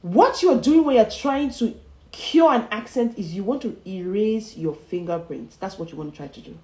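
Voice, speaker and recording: A woman leads a motivational speaking lesson with emphatic repetition and frequent chuckles. Her pitch rises and falls in a lively way as she pushes each point. The sound carries a noticeable room echo. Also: normal speed. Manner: emphatic, repeats key phrases, chuckles often. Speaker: public speaking coach. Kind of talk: motivational livestream teaching. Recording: roomy echo.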